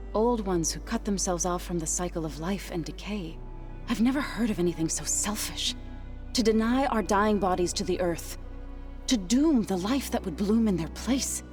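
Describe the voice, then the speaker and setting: A gentle tribal woman from a video game, played by an actress, curious and devoted to nature. She talks earnestly and carefully at a medium pitch, a little formally. Soft music runs behind her. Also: moderate pace, close to an everyday voice. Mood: indignant.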